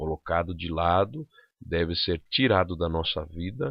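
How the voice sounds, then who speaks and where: With a German accent, a man speaks at a very slow pace in a very deep, low pitch. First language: German (speaking Portuguese). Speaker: pastor. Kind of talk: lecture.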